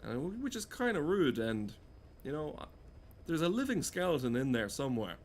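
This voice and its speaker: A man giving rambling, sweary comedic game commentary in a halting, deadpan way. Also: fairly high pitch, slight background noise. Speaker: gameplay streamer.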